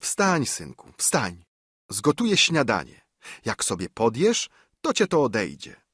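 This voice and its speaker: A man's voice: mid-range voice, wildly swooping pitch, unhurried, fairly bright tone, slightly rough, no room sound, clean studio sound, voice pushed up, full character voice. A man voicing an old widowed mother who soothes her frightened son in a coaxing, sing-song way. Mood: cheerful.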